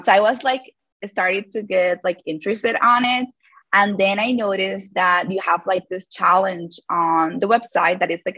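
A woman's voice: fairly low pitch, a bit bright, no echo. Hesitant woman in her thirties. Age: 30s. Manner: hesitant, lots of fillers and restarts, laughs often. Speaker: guest, yoga teacher. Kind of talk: casual live-call interview.

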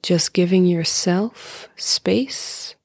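A woman meditation teacher leading a guided meditation in a soft, breathy voice that often drops near a whisper, calm, soothing and unhurried. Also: fairly low pitch, dry recording, studio quality.

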